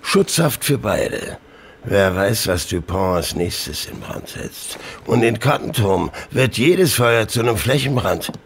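Man acting a gruff, gravelly police detective. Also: fairly low pitch, animated, slow pace, a little hiss or hum. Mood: grimly decisive. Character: harried, frustrated male police detective in charge. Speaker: voice actor in an audio drama. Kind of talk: German audio drama acting.

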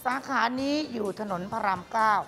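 A woman in her forties hosting a restaurant food show, chatty and sweet, talking with the chef in a bright dining room. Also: a little high, moderate pace, faint music behind. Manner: chatty, sweet, ends with polite particles.

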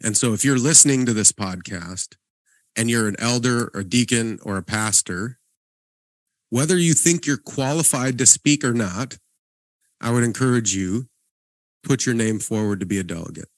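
A man's voice: medium pitch, moderate pace, no echo. A man co-hosting a church podcast, talking in an earnest, encouraging way with frequent restarts. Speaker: podcast co-host, guest pastor. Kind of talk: casual podcast conversation.

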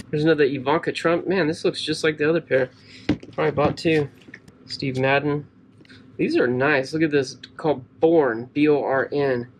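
A man's voice: a little high, a little hiss or hum. A man in his thirties chatting casually to camera while sorting clothes from a storage locker in a cluttered room. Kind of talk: casual unboxing commentary to camera.

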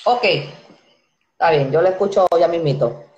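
A woman's voice: on the low side, normal speed, warm tone, highs cut off. A Dominican woman in her thirties with a Dominican Spanish accent, hosting a casual live stream, reading viewer comments in a friendly, chatty way. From Dominican Republic. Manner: chatty, friendly, reads names aloud and laughs easily. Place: small room indoors. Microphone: earphone headset mic. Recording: echoey room.

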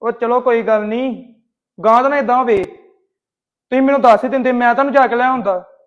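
An actor playing a younger brother who soothes and calms his family. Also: very high voice, brisk. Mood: placating. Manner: soothing, peacemaking. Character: placating younger brother, young adult man. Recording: dull lo-fi recording.

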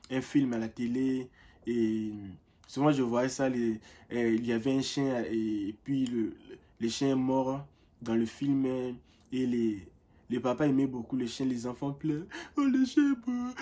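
Brief young male vlogger, warm husky tone, chatty and repetitive delivery. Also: mid-range voice, a little slow. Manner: animated storytelling, repeats words as he searches for them. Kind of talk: casual vlog talk to camera.

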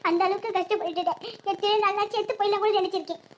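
A woman's voice: very high voice, steady tone, rapid-fire, a little hiss or hum. A woman doing a grieving southern Tamil grandmother. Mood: earnest advice. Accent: southern Tamil Nadu. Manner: lamenting, advising. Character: grieving older village mother-in-law, stern.

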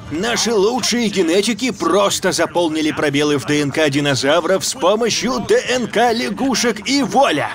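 A man's voice: high-pitched, a bit bright. A man voicing an elderly, eccentric dinosaur park founder in a cartoon dub, proud and showman-like. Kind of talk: dubbed cartoon acting.

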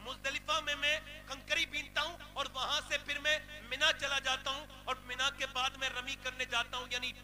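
An impassioned male preacher delivering a religious sermon in a very high, strained voice. He swings between loud outbursts and hushed passages as he tells the story. Clear music runs behind him. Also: flat delivery, normal speed, hardly any pauses.

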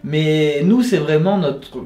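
A man's voice: fairly high pitch, slow, reverberant, crowd noise. A young man co-hosting a casual chat to camera in a small room, talking animatedly and gesturing a lot. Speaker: YouTube co-host. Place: small room indoors, posters on the wall.

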